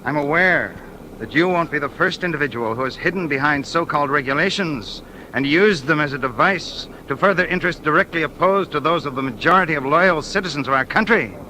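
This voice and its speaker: An actor playing an arrogant, unyielding political investigator in a 1950s radio drama, talking in a cold and domineering way. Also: male voice, on the high side, brisk, sharp tone, poor audio. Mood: menacing. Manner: cold and domineering, rising to fervor. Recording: faint hiss of an old radio broadcast.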